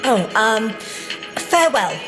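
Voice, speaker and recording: An actress playing a wry, good-humoured young scientist and secret agent, chatting in an audio drama. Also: female voice, a little high, very animated, takes it slowly, long reverb tail, over music. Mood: amused. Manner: dry teasing, polite, chatty. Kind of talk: audio drama field banter.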